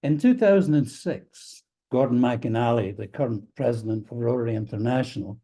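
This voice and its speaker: A man's voice: mid-range voice, normal speed, dark tone. An older man from Scotland with a Scottish accent, giving a speech to a club meeting with dry, wry humour. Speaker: district governor, guest speaker.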